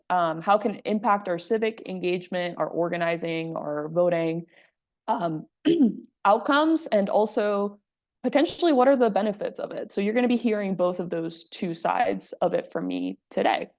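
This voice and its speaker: A woman's voice: medium pitch, animated, moderate pace, darkish tone. A woman from Puerto Rico leading a workshop on a video call in a friendly way, with frequent "um" fillers. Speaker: presenter and workshop facilitator. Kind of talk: casual presentation on a video call.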